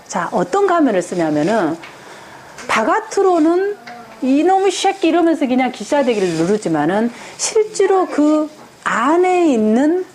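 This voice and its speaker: Animated woman lecturer, lively pitch. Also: slight background noise. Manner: animated, asks the audience rhetorical questions. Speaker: parenting education instructor. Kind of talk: lecture to parents. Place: lecture room with an audience.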